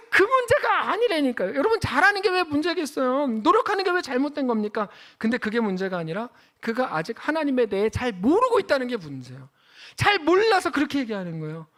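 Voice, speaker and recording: A pastor delivering a fervent sermon, voice sitting in a middle register but leaping up and down with great animation. Questions are thrown at the congregation, sometimes pressed out loudly, sometimes dropped to a hushed low tone. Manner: impassioned, swings between loud emphatic questions and hushed low-voiced stretches. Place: church service.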